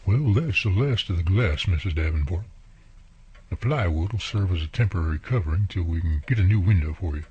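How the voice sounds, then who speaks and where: An actor as a husky, folksy country man. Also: deep voice, animated, a little fast, warm tone, exaggerated voice. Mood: neighborly. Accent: American country. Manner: folksy, colloquial, drawling turns of phrase. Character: folksy, friendly, plainspoken country handyman neighbor, family man. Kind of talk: radio drama acting. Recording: muffled, lo-fi audio.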